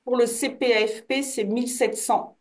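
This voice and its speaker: A woman's voice: fairly high pitch, steady tone, normal speed, darkish tone. A woman course coordinator answering questions in a webinar, informal, with fillers. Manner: informal, with fillers and brief backchannels.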